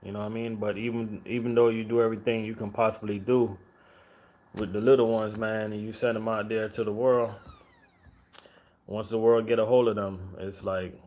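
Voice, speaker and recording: A man's voice: on the low side, little pitch movement, moderate pace, a little mellow. Laid-back man talking to his stream viewers. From Jamaica. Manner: laid-back, rambling, many fillers and "you know what I mean". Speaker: live stream host. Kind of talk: casual live stream talk to viewers.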